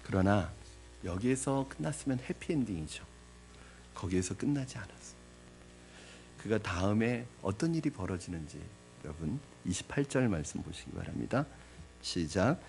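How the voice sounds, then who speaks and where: A pastor preaches a sermon to his congregation, putting rhetorical questions to them and dramatically acting out the voices of the parable's characters. His voice is fairly low, gravelly and a little mellow, with a sing-song lilt at a moderate pace. There's a faint hiss or hum in the recording.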